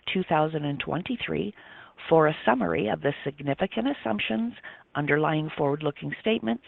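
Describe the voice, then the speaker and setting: A man's voice: fairly high pitch, gravelly, no room sound. A man reading a formal scripted corporate announcement as a conference call operator, over a telephone line. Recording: narrow tinny phone line.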